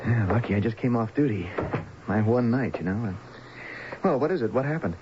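A man playing an awkward, inquisitive off-duty policeman in a radio drama, speaking in halting questions. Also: mid-range voice, animated, natural voice. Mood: uneasy, questioning. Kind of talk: 1970s radio drama acting. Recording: muffled, lightly hissy 1970s radio recording.

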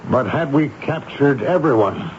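An actor playing a stern, authoritative army major in a 1970s radio drama. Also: male voice, mid-range voice, lively intonation, close to an everyday voice. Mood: measured, confident. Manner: authoritative, brisk, urgent. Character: stern, commanding army major recounting and leading a manhunt. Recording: muffled, very noisy 1970s radio recording.

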